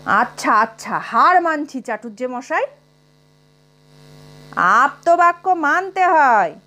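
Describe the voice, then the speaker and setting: A woman's voice: sits high, big pitch swings, takes it slowly, bright, forceful tone, full character voice. A woman voicing a cautious middle-aged male lawyer who hedges and then concedes the point. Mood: conceding. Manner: hesitant, conceding.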